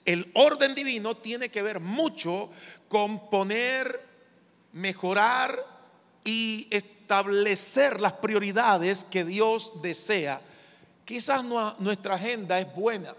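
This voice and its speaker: A male pastor preaching a sermon in a measured, emphatic way, asking the congregation to repeat phrases after him. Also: high-pitched, fairly bright tone. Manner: measured, emphatic preaching with call-and-response prompts. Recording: long reverb of a large hall.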